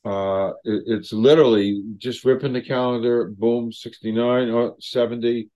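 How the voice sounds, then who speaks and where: A man in his seventies hosting an interview, speaking reflectively and haltingly with many fillers. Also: medium pitch, fairly even intonation, warm tone, highs cut off. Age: 70s. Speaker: host. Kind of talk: interview conversation.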